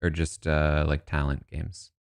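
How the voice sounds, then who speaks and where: Man, very low voice, gravelly, casual commentary, thinking aloud. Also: level tone, unhurried. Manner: musing, thinks aloud, asides. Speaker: streamer reacting to reality TV news.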